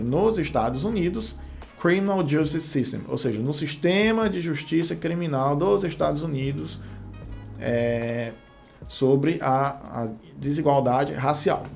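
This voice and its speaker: A man's voice: on the high side, creaky, darkish tone. A Brazilian man teaching, with a Brazilian Portuguese accent, walking through an English text word by word in a casual lesson. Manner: explains word by word, thinking aloud.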